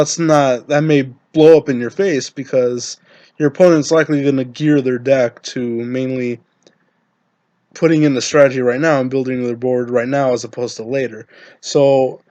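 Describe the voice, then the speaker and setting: Hoarse guy, mid-pitched, dry close sound, casual halting explainer with lots of ums. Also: dark tone, dry recording. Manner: hesitant, many ums and restarts. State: hoarse from being sick. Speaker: Yu-Gi-Oh content creator. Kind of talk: casual talk to camera, deck-building tips.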